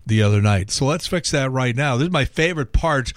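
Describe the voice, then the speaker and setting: A middle-aged radio and podcast host who sounds hoarse, talking in a wry, sarcastic, rambling comic monologue. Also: male voice, mid-range voice, lively intonation, brisk, dry recording, clean studio sound. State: hoarse from laryngitis.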